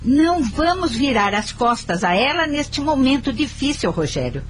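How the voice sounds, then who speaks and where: A woman's voice: high voice, big pitch swings, moderate pace, slight background noise. An actress playing a hurt but loving middle-aged Brazilian mother in a radio soap, earnest and pleading. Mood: reproachful, pleading.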